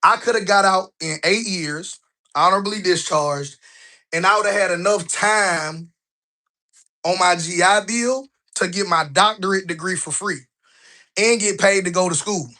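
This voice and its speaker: A man's voice: high-pitched, unhurried. A man in his thirties talking casually while walking through his office building, asking "right?" a lot, a bit out of breath. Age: 30s. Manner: conversational, asks rhetorical "right?" often; colloquial, relaxed grammar. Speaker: business vlogger.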